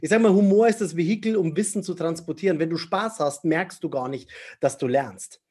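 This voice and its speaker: A man being interviewed on a podcast as a memory trainer, animated and enthusiastic, laughing often. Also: a little high, fairly quick, slightly rough.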